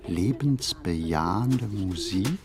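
An actor playing a reflective, solitary man who narrates his mundane daily routine in a deadpan radio play monologue. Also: deep voice, slow pace, crowd noise, heavily acted. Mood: wry, musing.

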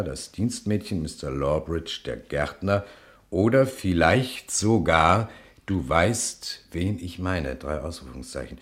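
Deep-voiced, animated police commissioner. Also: male voice. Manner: deliberate, hesitant questioning with dry asides. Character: probing police commissioner, male, courteous and wry. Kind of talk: German radio crime drama acting.

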